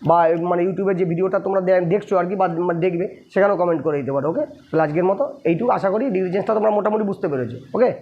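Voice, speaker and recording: A man's voice: sits high, fast talker, hardly any pauses. A man with a Bengali accent teaching English grammar, repeating points and asking his students rhetorical questions. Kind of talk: explaining lesson to students. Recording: dull lo-fi recording.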